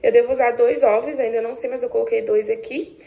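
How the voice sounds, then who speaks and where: A woman's voice: fairly high pitch, steady tone, quick pace, creaky, mellow, distant mic. A young woman from Brazil chatting casually to her viewers while cooking in her home kitchen. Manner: chatty, addresses viewers affectionately. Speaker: cooking vlogger. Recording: echoey kitchen from off-mic with music.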